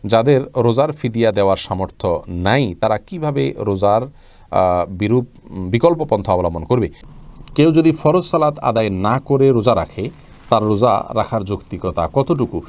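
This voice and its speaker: A man giving a religious question-and-answer talk, reading each viewer's question aloud before explaining the ruling. He talks quickly, at a mid-range pitch, in a calm and explanatory tone. He speaks to the askers directly, as brother or sister.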